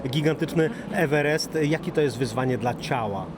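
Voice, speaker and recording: A man's voice: a little high, moderate pace, background noise. A man conducting a casual live interview as the interviewer.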